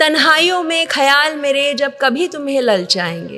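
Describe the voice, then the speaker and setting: Music plays in the background. Over it, a woman is speaking. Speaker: poet. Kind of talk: poetry reading. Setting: open mic stage.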